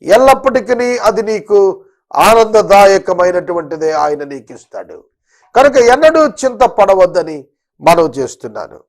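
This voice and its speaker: A man's voice: high voice, expressive, measured pace. A man preaching a sermon, pressing listeners with repeated rhetorical questions and dropping in English phrases.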